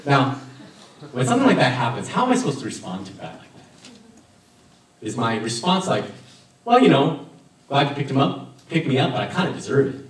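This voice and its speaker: Animated man preaching in an echoey church. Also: medium pitch, a little fast, pauses often. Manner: animated, conversational, gesturing at a lectern. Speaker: pastor. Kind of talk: sermon with personal story. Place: church sanctuary with stained glass, indoors. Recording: very echoey room from far off.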